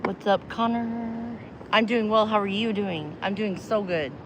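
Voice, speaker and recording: Between tarot readings on her beach livestream, a New Mexico woman greets viewers and chats in a bubbly, rambling way, laughing easily. Her medium-pitched voice keeps fairly even intonation at a measured pace, recorded on a phone outdoors amid loud wind and noise.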